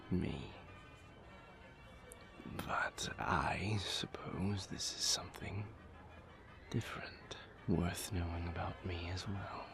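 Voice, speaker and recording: A man voicing a seductive, weary, refined vampire lover in an intimate romantic audio roleplay, with a breathy, gravelly whisper and a languid, formal delivery. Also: sits low, exaggerated voice. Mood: hesitant, wistful. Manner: slow, languid, formal wording with pauses.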